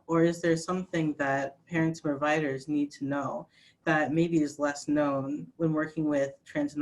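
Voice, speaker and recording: Calm, explanatory trans trainer with a higher voice. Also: rough recording. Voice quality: fairly high voice. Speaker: trainer and panel moderator. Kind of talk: training talk and moderating.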